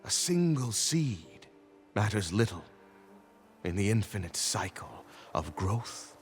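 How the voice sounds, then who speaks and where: An actor playing a haughty, scornful tribal traditionalist in a video game, with pompous, dismissive, measured speech. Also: male voice, lowish voice, very animated, soft background music. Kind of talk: theatrical video game acting.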